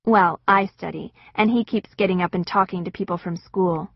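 A woman narrating an audiobook in the first person with an expressive, wistful storytelling manner. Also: on the low side, normal speed, vocal fry, dry recording, dull audio.

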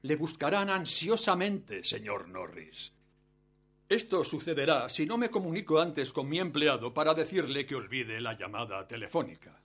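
A rich, betrayed husband in a radio drama. His voice is rather high and husky, with lively swings of pitch, and he speaks with polished courtesy that carries a smug, cruel threat. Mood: suave menace. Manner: suave, mock-courteous, deliberate hesitations. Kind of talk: Spanish-language radio play acting.

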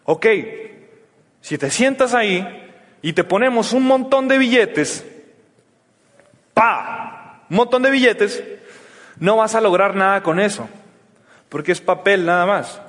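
A Mexican man with a high voice gives an energetic motivational talk on a stage. He speaks in casual slang and acts out short exchanges between people. His voice rings with the long reverb of a large event hall. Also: takes it slowly, long pauses. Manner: energetic, acts out dialogues with slangy colloquial Spanish.

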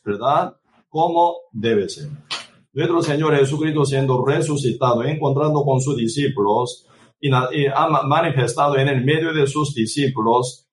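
A man preaching a sermon who tags nearly every phrase with a questioning "right?", restarts words and cites scripture by chapter and verse. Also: medium pitch. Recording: voice distant from the microphone.

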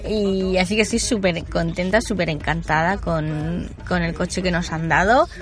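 Woman, travel vlog host, bubbly and chatty, soft music underneath. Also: fairly low pitch, steady tone, normal speed. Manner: upbeat, chatty, enthusiastic. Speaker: travel vlogger. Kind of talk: casual travel vlog chat. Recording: faint music behind.

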